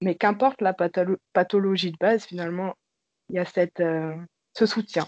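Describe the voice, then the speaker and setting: A woman at medium pitch and a moderate pace, with fairly even intonation and long, frequent pauses, in a dry, close sound with no echo over a quiet background. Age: 20s. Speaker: reiki practitioner. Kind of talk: interview. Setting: remote call. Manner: halting. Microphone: poor sound, recorded remotely.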